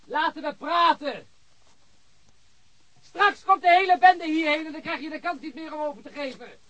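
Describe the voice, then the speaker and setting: An actor playing an anxious, moralising police detective, exasperated and earnest, in a radio drama. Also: male voice, extremely high pitch, steady tone, moderate pace, a bit bright, low-quality recording. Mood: shouted pleading. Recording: radio drama recording with background noise.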